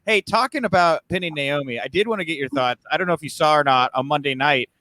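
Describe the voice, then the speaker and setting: A man's voice: on the high side, fast talker, pushed and bright, no echo, poor audio. A man hosting a casual interview over a video call, chatty and self-deprecating. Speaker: interview host.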